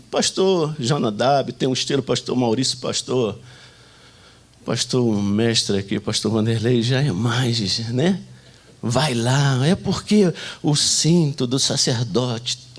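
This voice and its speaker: Animated Brazilian man preaching a sermon. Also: mid-range voice. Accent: Brazilian Portuguese. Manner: animated storytelling, acting out shouts and quoted prayers. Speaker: pastor.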